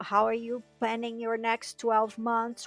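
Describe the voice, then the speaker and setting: In a Brazilian Portuguese accent, a woman with a fairly high pitch speaks at a moderate pace, the sound dry and close with no echo and music in the background. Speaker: market research executive. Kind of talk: podcast interview.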